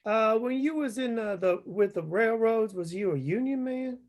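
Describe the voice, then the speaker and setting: Man playing a higher-voiced, dour coal miner. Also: animated, moderate pace. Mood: wary. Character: grim, hard-bitten male coal miner, wary and protective. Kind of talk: table read of a screenplay.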